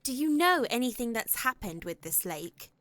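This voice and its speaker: A woman's voice: a little high, very animated, normal speed, a bit bright, slight background noise. An actress playing a proud, haughty lady traveler in a visual novel, formal and curt in manner. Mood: scornful. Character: proud, haughty lady traveler, sharp-tongued but well-read.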